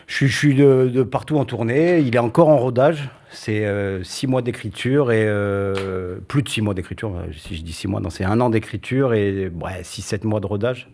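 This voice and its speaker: A man's voice: fairly low pitch, moderate pace, hardly any pauses, darkish tone. A man in his forties from the south of France, a comedian chatting casually in a studio interview, often repeating phrases for emphasis. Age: 40s. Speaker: stand-up comedian guest. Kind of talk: casual interview chat with comic anecdotes. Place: radio studio.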